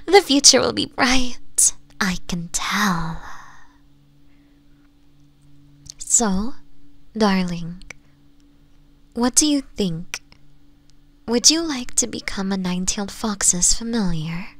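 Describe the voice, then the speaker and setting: A woman voicing a doting, possessive fox-woman mistress in an intimate ASMR roleplay, softly coaxing and often slipping into whispers. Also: mid-range voice, animated, slow, no echo, exaggerated voice. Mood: tender, coaxing. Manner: soft, breathy, coaxing, often dropping into whispers.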